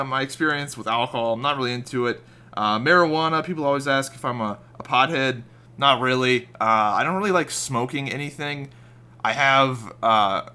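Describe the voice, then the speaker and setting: Raspy young man with a bright voice. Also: medium pitch. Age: young adult. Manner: rambling, casual, swears freely, many fillers and restarts. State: slightly raspy from just waking up. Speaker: gaming YouTuber. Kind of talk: casual voice-over commentary over gameplay.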